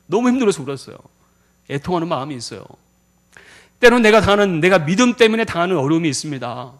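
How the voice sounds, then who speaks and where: A man's voice: on the high side, big pitch swings, very fast. A male pastor preaching a sermon in a church, asking the congregation questions. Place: church sanctuary.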